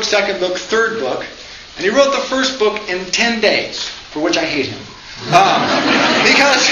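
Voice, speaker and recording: A man giving an informal lecture in a classroom, lively and joking as he acts out quotes. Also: sits high, a little hiss or hum. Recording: echoey room, dull lo-fi sound.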